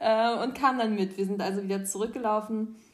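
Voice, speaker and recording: Fairly high female speech, with noticeable noise behind it. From East Berlin. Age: 20s. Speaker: podcast co-host, master's student. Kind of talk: casual chat.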